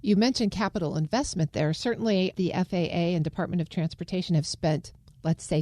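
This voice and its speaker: A woman's voice: on the low side, mellow, no room sound, studio quality. An American woman hosting a news interview. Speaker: radio interviewer and host.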